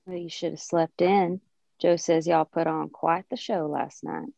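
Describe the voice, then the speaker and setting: A sharp-tongued small-town wife of thirty played by a woman, with a lowish voice and dry, close sound. She scolds wryly in folksy country speech, in a drama table read. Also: steady tone, a little slow, vocal fry, no room sound, heavily acted. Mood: scolding, snide. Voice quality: folksy Southern-style country diction. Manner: scolding, wry.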